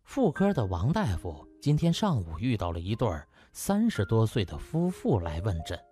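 A man's voice: fairly low pitch, wildly swooping pitch, normal speed, dark tone, faint music behind. A man narrating a comic novel as a scripted audiobook, in a dramatic storytelling style.

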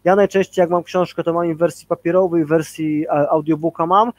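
A man's voice: a little high, fairly even intonation, quick pace, no room sound. A man in his forties talking casually on a video call as a guest leadership trainer, rambling with many fillers and tag questions.

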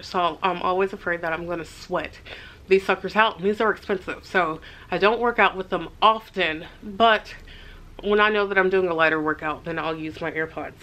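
A woman's voice: medium pitch, bright, forceful tone, low-quality recording. A middle-aged woman chatting to her camera in a casual vlog, upbeat and rambling with asides. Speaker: vlogger. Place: parked car, then a bedroom.

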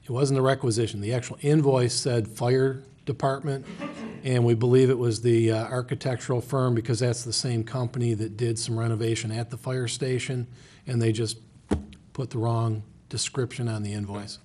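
A man's voice: mid-range voice, level tone, normal speed, dark tone. A man speaking as finance director at a council meeting, plain and matter-of-fact. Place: city council chamber.

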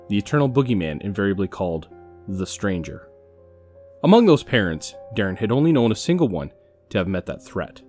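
A man giving a dramatic scripted narration as the narrator of an audio story. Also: on the low side.

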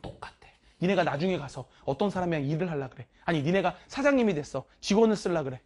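Woman math teacher, blunt pep talk, husky voice, animated swings in pitch. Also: fast talker. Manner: blunt, emphatic, chatty, scolding banter. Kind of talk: casual motivational talk to students.

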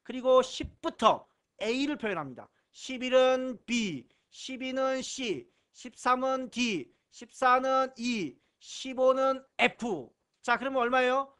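A man with a very high-pitched voice gives an exam-prep lecture. He talks through the material in a teacherly way, repeating key terms and breaking it up with playful puns and asides. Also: animated, takes it slowly, fairly bright tone, clean tone. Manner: jokey asides and puns between explanations; repeats key terms, often starting lines with "자". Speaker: computer certification instructor.

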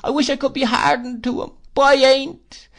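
A man's voice: extremely high pitch, flat delivery, normal speed, a bit bright, pitched above the performer's own voice. A man reading aloud voices a tearful, self-pitying older widow who laments in a plaintive, wailing way. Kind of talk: audiobook character voice.

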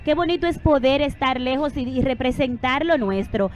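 A woman's voice: high voice, lively intonation, moderate pace. A woman in her thirties with a Dominican accent, co-hosting live parade coverage outdoors on a handheld mic, talking in an effusive, exclamatory way. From Dominican Republic. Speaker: parade broadcast co-host. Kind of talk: live event commentary. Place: outdoors on a parade float in a busy city street.

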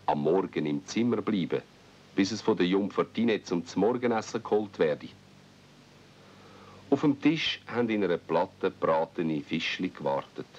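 Male narrator, Swiss German accent, deep voice, children's radio-play storytelling, muffled tape. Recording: muffled, noisy old cassette with rumble.

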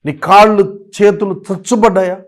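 A man preaching a sermon in a pleading, rhythmic style, repeating phrases and dropping into slow, emphatic English lines with a Telugu accent. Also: sits high, level tone. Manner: pleading, rising and falling emphasis.

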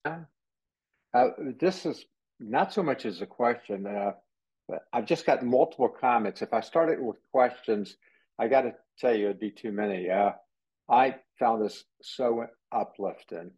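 A man on a video call, speaking haltingly with many fillers as he offers thanks. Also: medium pitch, darkish tone, breathy edge, low-quality recording. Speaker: participant. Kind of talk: casual appreciative comment.

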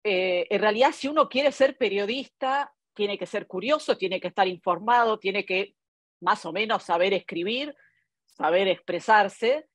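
A woman in her fifties, Italian by birth and raised in Argentina, speaking Spanish with an Argentine accent as a guest in a video-call interview, thoughtful and full of "eh" pauses. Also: mid-range voice, dry recording. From born in Italy, raised in Argentina. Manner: thoughtful, many hesitations and "eh" fillers. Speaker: foreign correspondent guest. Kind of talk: relaxed conversational interview. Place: home study with bookshelves, indoors. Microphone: laptop webcam on a video call.

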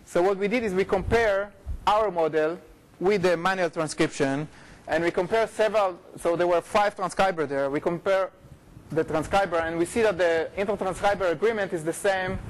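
High-pitched Israeli man giving a lecture. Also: rough recording. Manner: informal, halting, frequent repetitions and self-corrections. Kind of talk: academic talk with slides. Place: lecture room, indoors.

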